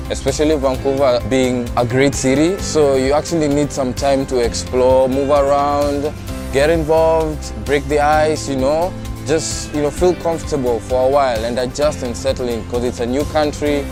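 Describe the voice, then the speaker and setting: A man from Kenya, an international student, giving relaxed advice in a testimonial. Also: mid-range voice, moderate pace. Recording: music bed behind voice.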